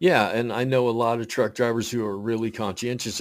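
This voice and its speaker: In a plain, everyday voice, the speaker keeps a moderate pace with fairly even intonation. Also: man, very clean recording, silent background. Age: 50s. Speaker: podcast co-host, former truck driver. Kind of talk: casual chat.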